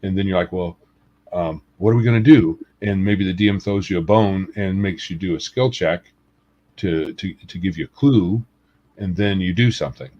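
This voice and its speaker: Very deep, husky man, hesitant podcast co-host on dull lo-fi audio. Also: moderate pace. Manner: hesitant, many fillers. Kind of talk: casual podcast chat.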